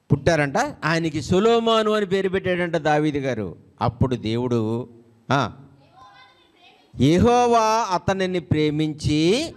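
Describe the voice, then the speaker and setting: A man preaching a sermon as a pastor, with a Telugu accent, animated and joking, acting out quotes. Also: mid-range voice.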